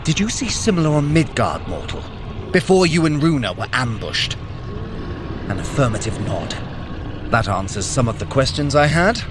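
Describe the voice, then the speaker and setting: A man playing a shrewd, inquisitive trickster god with a measured, formal, analytical way of talking in an audio adventure. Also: medium pitch, big pitch swings, noisy background, lightly acted. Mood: probing. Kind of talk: scripted audio fitness adventure acting. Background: music.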